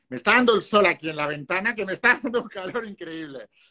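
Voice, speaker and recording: A man's raised, projected voice, bright and sharp, animated and very fast, with lively intonation over a quiet background. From Spain. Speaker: business mentor and online coach; online coach. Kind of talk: sales pitch. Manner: animated, motivational. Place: home room. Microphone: webcam.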